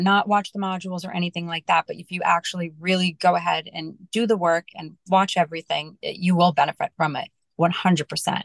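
In a plain, everyday voice, a woman with an American accent speaks at a moderate pace and medium pitch, with a dry, close sound with no echo. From New York. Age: 30s. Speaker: coaching client. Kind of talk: testimony.

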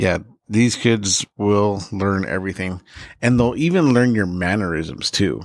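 A man with an American accent speaks in an ordinary speaking voice, fairly slow and fairly low in pitch with ordinary variation. The recording is very clean, with a silent background. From Los Angeles. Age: middle-aged. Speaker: tattoo artist and podcast co-host. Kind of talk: casual chat.

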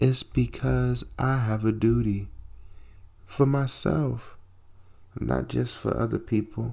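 The speaker talks at a very slow pace with an American accent, leaving long, frequent pauses. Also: man. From US, New Jersey. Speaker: podcast host. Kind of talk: casual monologue. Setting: home recording at night. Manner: laid-back, filler-heavy.

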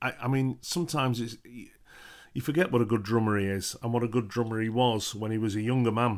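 A man's medium-pitched voice with an English accent, at a moderate pace, in a very clean recording with a silent background. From England. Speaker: podcast host and internet radio presenter. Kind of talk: solo music review podcast. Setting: home recording. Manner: hesitant, many fillers.

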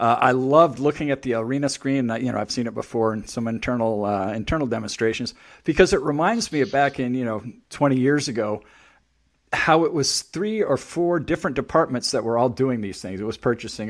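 On a very clean recording with a silent background, a man in a normal speaking voice talks fairly quickly at medium pitch with ordinary pitch variation. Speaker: podcast co-host. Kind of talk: casual tech podcast chat.

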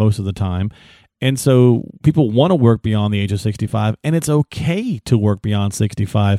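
A man with a plain, everyday voice talks fairly quickly, his medium pitch showing ordinary variation. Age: 40s. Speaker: podcast co-host, small business owner. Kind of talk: casual chat.

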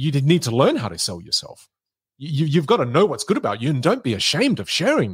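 With vocal fry and very wide pitch swings, a man talks at a very fast pace in a fairly high voice. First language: not English (English is his third language). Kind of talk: casual chat.

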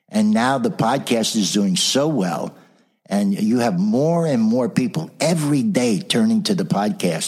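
With an American accent, a man speaks at medium pitch and a fairly slow pace. His pitch swings very widely. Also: very even loudness. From New Jersey. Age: 70s. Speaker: podcast host and motivational speaker. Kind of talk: interview, telling life stories. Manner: animated.

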